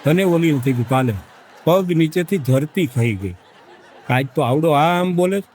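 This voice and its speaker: A man telling a folksy comic village tale, acting out the characters with drawn-out repetition. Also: on the high side, animated, darkish tone, a little hiss or hum. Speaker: comedic storyteller. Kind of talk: folk joke storytelling to a live audience.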